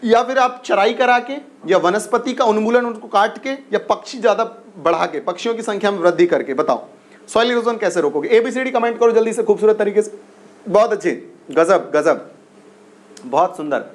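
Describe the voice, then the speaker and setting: High-voiced coaxing male teacher. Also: animated. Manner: repetitive, coaxing, drills questions and urges quick answers. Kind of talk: exam-prep classroom lesson.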